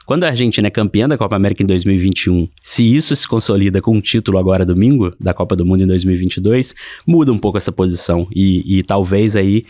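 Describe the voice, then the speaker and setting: A Brazilian man, a newspaper editor, answering questions in a podcast interview, quick and hesitant with repeated words. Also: deep voice, dark tone, no echo. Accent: Brazilian Portuguese. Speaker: newspaper sports editor, guest.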